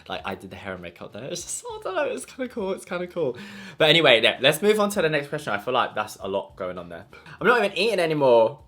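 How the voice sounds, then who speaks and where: Bright-voiced chatty young man. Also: fairly high pitch, wildly swooping pitch, fast. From London. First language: Portuguese. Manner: chatty, gossipy, lots of "like". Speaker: makeup artist vlogger. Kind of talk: casual mukbang chat.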